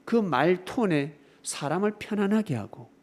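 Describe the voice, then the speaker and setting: Emphatic preaching man, lively pitch. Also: a little slow. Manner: emphatic preaching, swinging between loud exclamations and softer asides; asks the congregation rhetorical questions. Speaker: pastor. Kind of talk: sermon.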